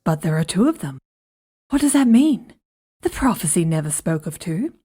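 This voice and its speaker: Skeptical queen, female actor: dark, soft-edged, fairly low, regal and dismissive. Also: big pitch swings, normal speed, breathy edge. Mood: doubtful. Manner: regal, dismissive, clipped irony. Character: cool, skeptical, haughty queen. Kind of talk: fantasy audio drama acting.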